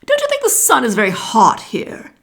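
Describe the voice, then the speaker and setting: Woman voicing a smug, deliberate storybook snake. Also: a little high, huge pitch swings, gravelly, fairly bright tone, exaggerated voice. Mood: smug, coaxing. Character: bicolored python rock snake, knowing, smug adviser. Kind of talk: children's storybook reading.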